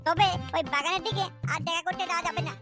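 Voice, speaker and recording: A woman's voice: very high voice, fast talker, music in the background. A woman voicing a cocky young male lover in a comic cartoon, boastful, cajoling and scheming. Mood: boastful, sweet-talking.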